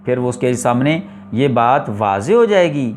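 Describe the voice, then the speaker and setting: A man teaching the rules of Quran recitation in a classroom lecture, explaining slowly and deliberately, repeating his points and asking rhetorical questions. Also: medium pitch, sing-song, a little mellow, slight background noise. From Pakistan.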